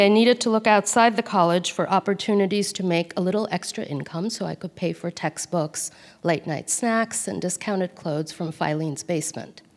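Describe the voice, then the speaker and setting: A woman from Calcutta whose first language is Bengali, reading aloud from her own memoir in a measured, quiet voice. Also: fairly low pitch. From Calcutta, India. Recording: long hall reverb.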